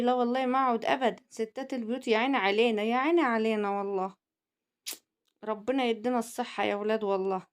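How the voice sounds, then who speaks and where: Egyptian woman, cooking host, middle-aged, high-pitched, teasing, talks straight to viewers. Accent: Egyptian Arabic. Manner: chatty, teasing, addresses viewers directly. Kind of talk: cooking video narration.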